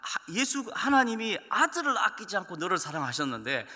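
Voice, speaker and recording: A man preaching a Sunday sermon as pastor, telling stories with lively acted-out voices. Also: high voice, fairly quick. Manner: animated storytelling, acting out voices. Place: church sanctuary. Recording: long church hall reverb.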